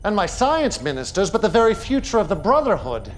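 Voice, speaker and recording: An actor playing a commanding, manipulative cult leader in a game cutscene, theatrical, measured and imperious. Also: male voice, sits high, very animated. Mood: interrogating.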